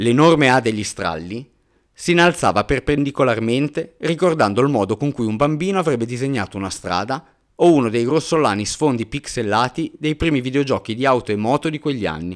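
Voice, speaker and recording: A man's normal speaking voice at medium pitch, quick-ish and fairly fast in pace, with lively intonation, in a very clean recording with a silent background. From Genoa, Italy. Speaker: first-person narrator, former worker under the bridge. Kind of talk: scripted narration.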